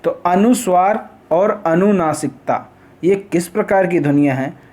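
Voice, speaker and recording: Hindi quiz teacher, man, higher voice. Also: measured pace, darkish tone. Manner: asks viewers to comment answers, repeats each question. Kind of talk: exam quiz lesson.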